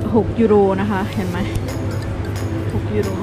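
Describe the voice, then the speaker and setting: The sound is dry, with no echo. Music plays clearly in the background. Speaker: shopping vlogger. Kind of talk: casual vlog chat. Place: shop. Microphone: phone near.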